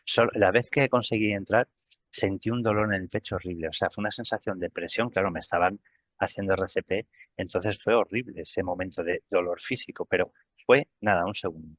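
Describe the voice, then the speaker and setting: A middle-aged man with a Spain Spanish accent tells his story in an interview, with a fairly low voice. He acts out the remembered lines as he goes. The sound is dry and a little muffled. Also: brisk, dry recording. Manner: vivid retelling that acts out remembered dialogue. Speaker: interview guest.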